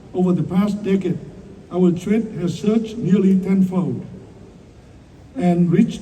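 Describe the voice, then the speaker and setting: Audible room echo fills the recording as a man with a high voice talks at a fairly slow pace and with fairly even intonation. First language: Vietnamese. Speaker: ambassador. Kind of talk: formal speech. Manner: formal.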